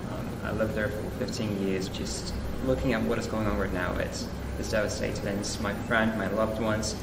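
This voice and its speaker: A young man from Ukraine, a student guest, speaking earnestly and in a measured way with frequent hesitations. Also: on the low side, level tone, roomy sound, very noisy. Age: young adult. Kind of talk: interview and studio conversation.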